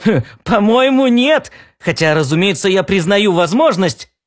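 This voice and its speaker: A man's voice: high-pitched, animated, a little slow, voice pushed up. A man reading the part of a cheerful, courteous and reasonable driver, in a raised voice. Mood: genial. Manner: courteous, genial.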